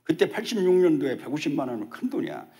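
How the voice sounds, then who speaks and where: An older man gives a testimony sermon as a church elder, talking quickly. His pitch leaps up and down as he acts out the dialogue in his story, which keeps the storytelling animated. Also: gravelly. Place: church service.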